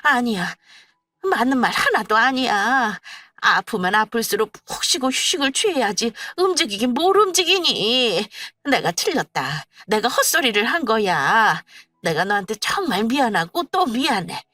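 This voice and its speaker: A woman doing a high, sing-song older mother-in-law, whiny, scolding, complaining, storybook narration. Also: sing-song, moderate pace, sharp tone, no room sound, clean studio sound, heavily acted. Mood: pleading. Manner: whiny, scolding, later pleading.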